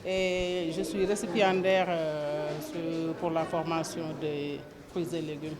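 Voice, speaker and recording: A woman who took part in a training, answering interview questions with hesitant pauses. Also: deep voice, fairly even intonation, a loud crowd. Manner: hesitant, with fillers. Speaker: training participant.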